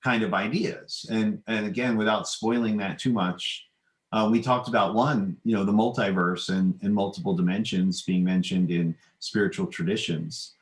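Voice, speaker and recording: A middle-aged man, an author guesting on a podcast, explaining his ideas in a halting, thoughtful, conversational way. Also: lowish voice, fairly even intonation. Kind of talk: conversational interview answers.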